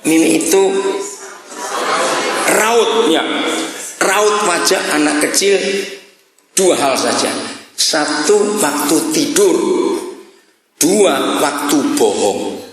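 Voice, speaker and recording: Lively middle-aged preacher in echoey hall. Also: male voice, fairly high pitch, extremely slow, long pauses, over music. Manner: animated storytelling, addresses congregation as "saudara", acts out dialogue. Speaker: pastor. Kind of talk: sermon. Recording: echoey hall, live congregation.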